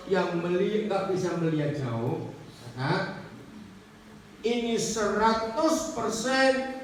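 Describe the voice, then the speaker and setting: Male preacher, high lively voice, questioning the congregation, recorded from afar in a reverberant hall with faint noise. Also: distant mic. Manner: animated, questions the congregation directly. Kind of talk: sermon.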